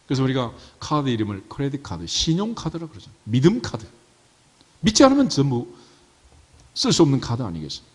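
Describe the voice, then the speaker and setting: Lively-voiced pastor in a reverberant church. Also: male voice, mid-range voice, a little fast, breathy edge. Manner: conversational, asks the congregation rhetorical questions. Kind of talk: sermon. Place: church sanctuary.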